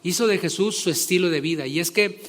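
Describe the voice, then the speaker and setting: Man preaching a sermon, fairly high voice. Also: fairly quick. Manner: conversational, rising loud when retelling scripture scenes. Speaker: pastor.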